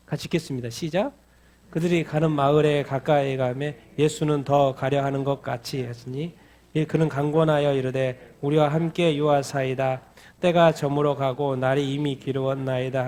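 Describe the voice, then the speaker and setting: A man's voice: fairly high pitch, darkish tone. A male pastor preaching a sermon, asking the congregation questions and answering them himself, repeating phrases for emphasis.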